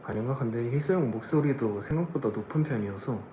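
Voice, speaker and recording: A man's voice: medium pitch, fairly quick, mellow, a little hiss or hum. A young man casually chatting with fans on a livestream, laughing often and answering comments. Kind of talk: casual live chat reading comments.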